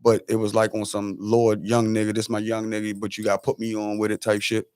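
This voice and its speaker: A man's voice: lowish voice, completely flat delivery, fairly quick, darkish tone, clean tone, no echo, studio quality. A man in his forties talking loosely and laid-back in a casual podcast chat.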